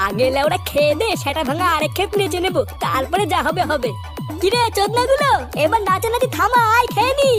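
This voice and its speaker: A man's voice: very high voice, expressive, a little fast, over music. A man voicing a rowdy, foul-mouthed young villager in a comic cartoon dub, bossy and casual. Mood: bossy, calling out.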